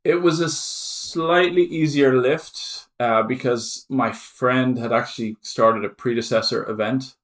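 A man's voice: mid-range voice, steady tone, measured pace, few pauses. Chatty Irish man in conversation. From Ireland. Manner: chatty, informal. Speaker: conference organiser, interview guest. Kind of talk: casual interview talk.

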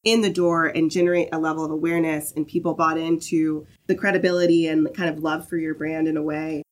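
A woman's voice: low-pitched, level tone, brisk. A woman from the Southern US, a guest on a podcast interview, explaining her work fluently and often checking in with "right?". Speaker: guest, marketing lead.

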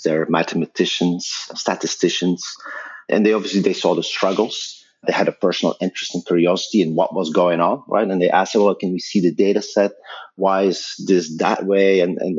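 A middle-aged man with a Belgian accent and a very low, husky voice talks through his ideas as a podcast guest, pausing on fillers and restarting phrases. The sound is dull and lo-fi. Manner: thoughtful, explanatory, frequent fillers and restarts. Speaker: guest, company founder. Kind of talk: podcast interview.

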